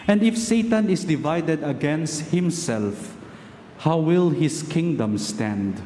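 A middle-aged man reading scripture solemnly and deliberately as a priest, slightly muffled by a mask, with cathedral echo. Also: a little high, warm tone. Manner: measured, deliberate phrasing. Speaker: priest reading the Gospel at Mass. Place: large basilica sanctuary. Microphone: gooseneck lectern microphone. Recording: cathedral echo, long reverb, faint noise.

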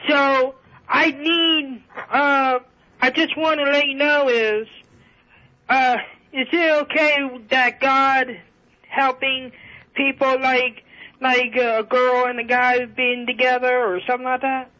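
A man calling in to a radio show over the phone, talking in a halting, rambling way full of restarts and fillers. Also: very high-pitched, level tone, bright, forceful tone. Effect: caller heard over a phone line. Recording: dull lo-fi phone line.

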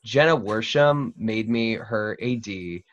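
Low-pitched young man on a muffled call. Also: slow pace. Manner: gushing, slangy with casual swearing. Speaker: podcast host. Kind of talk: casual roundtable interview. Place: cluttered room at home, indoors. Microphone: video call, computer mic. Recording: dull lo-fi video call audio.

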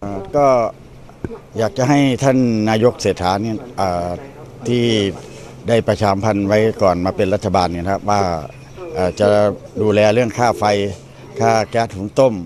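An older man interviewed outdoors on a handheld mic, speaking politely with hesitant pauses. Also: fairly low pitch, a little mellow. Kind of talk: street interview. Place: outdoors among trees.

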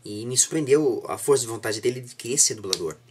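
A young man with a Brazilian accent and a slightly husky voice, chatting reflectively as an interviewer, repeating and rephrasing himself earnestly. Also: mid-range voice, expressive, fast talker. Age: young adult. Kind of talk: casual reflective interview chat. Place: small home room indoors, seated on a sofa.

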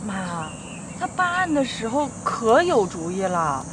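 A woman's voice: a little high, sing-song, a little slow, noisy background. An actress playing an earnest young woman in a TV drama, confiding and sincere. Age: young adult. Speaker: girlfriend. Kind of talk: TV drama acting.

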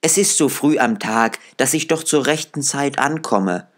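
A man's voice: medium pitch, animated, measured pace, a bit bright, voice pushed up. A man voicing a sweet, trusting little girl in a fairy tale, innocent and eager.

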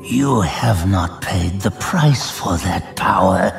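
A man voicing a powerful orc warlock in a fantasy audio drama, cold, mocking and menacing, with deliberate gravelly delivery. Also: deep voice, expressive, reverberant, soft background music, heavily acted. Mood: cold menace.

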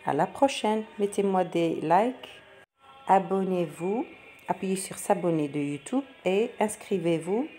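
A woman's voice: lowish voice, expressive, measured pace, warm tone, soft background music. Patient woman explaining schoolwork. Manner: patient, repeats questions and answers step by step. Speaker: teacher going over a practice exam. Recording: faint background noise.

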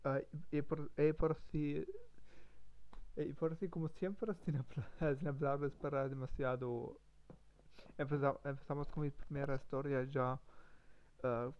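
A man's voice: a little high, little pitch movement, unhurried, dull audio. Hesitant man practicing a language. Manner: hesitant, many fillers and restarts. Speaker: language learner streamer. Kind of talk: halting improvised practice talk.

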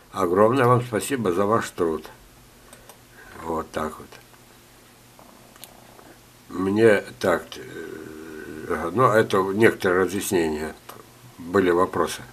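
A man's voice: low voice, slightly rough. An older man, ill and coughing often, reading viewers' letters aloud in a chatty gardening lesson with joking asides. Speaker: gardening teacher. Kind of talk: screen-share talk reading viewer letters.

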